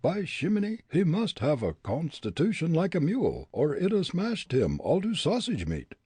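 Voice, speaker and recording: A man's voice: fairly high pitch, wildly swooping pitch, normal speed, warm tone, breathy edge, no echo, voice pushed up, exaggerated voice. A man voicing a bumbling young male detective with a thick mock German-Dutch dialect in a storybook reading. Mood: comic grumbling.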